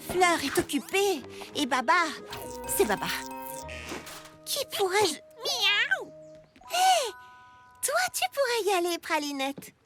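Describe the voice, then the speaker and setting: A cheerful young cartoon girl with a very high, lively voice. She sounds earnest and eager to exclaim, and music plays behind her. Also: full character voice. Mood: flustered, upbeat. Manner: animated, exclamatory. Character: cheerful, earnest young girl baker who loves camping. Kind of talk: French cartoon dubbing.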